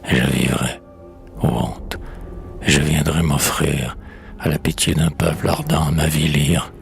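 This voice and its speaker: A man's voice: extremely low pitch, little pitch movement, measured pace, gravelly, soft background music, exaggerated voice. A man reading a dramatic poem, voicing a proud, despairing old king in a grave, declamatory recitation. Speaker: poetry reader.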